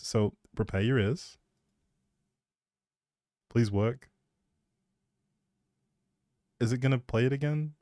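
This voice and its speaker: Low-voiced man, casual livestream chat. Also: mellow, no room sound, studio quality. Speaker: live streamer, host.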